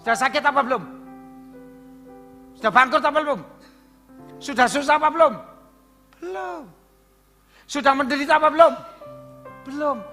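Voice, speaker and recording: A man's voice: extremely high pitch, normal speed, long pauses, sharp tone. A male pastor, preaching a sermon in a conversational way, asking the congregation questions and dropping in words. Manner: mixes in Javanese words. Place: church hall. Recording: reverberant church hall with music.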